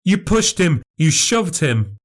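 A man's voice: high-pitched, sing-song, moderate pace, pitched above the performer's own voice. A man voicing an upset, anxious adult woman who confronts her sister, hurt and insistent. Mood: angry, hurt.

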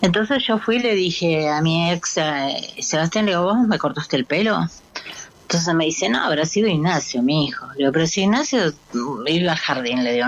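Hesitant Argentine woman, lowish voice. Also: dull audio, slight background noise. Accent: Argentine Spanish. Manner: hesitant, many fillers. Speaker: caller. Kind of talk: casual storytelling.

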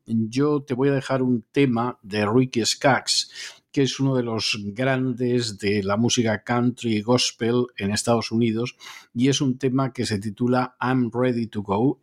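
Courteous male radio host. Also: medium pitch. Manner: courteous, measured and ceremonious. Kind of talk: formal on-air farewell.

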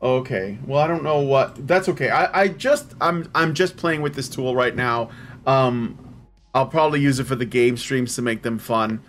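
A man hosting a podcast, relaxed and rambling in casual chat. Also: medium pitch, moderate pace, soft background music. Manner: relaxed, rambling, many fillers. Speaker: podcast host.

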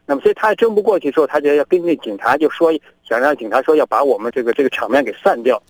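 A middle-aged man from China, a guest on a remote link, telling events in a lively way and acting out both sides of each argument. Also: fairly high pitch, racing, dry recording, low-quality recording. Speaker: interview guest, activist. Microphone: remote connection.

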